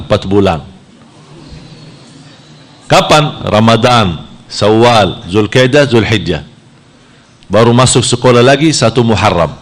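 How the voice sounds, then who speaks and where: A man from Saudi Arabia preaches a lively sermon, and his pitch leaps high whenever he acts out temptations.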